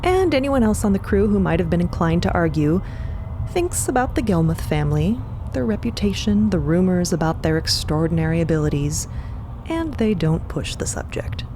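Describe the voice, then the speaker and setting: A woman's voice: on the low side, expressive, normal speed, mellow, a little hiss or hum. A woman delivering dramatic scripted narration for a fiction podcast.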